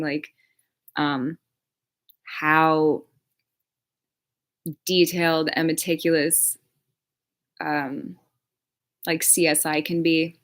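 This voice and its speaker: A woman chatting casually on a livestream as a true crime creator, rambling with lots of filler words and casual swearing. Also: deep voice.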